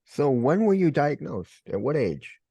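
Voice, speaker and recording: A man's voice: a little high, very animated, a little slow, creaky, warm tone, slightly rough, no echo. A man hosting an interview show, asking plain, direct questions. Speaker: podcast host.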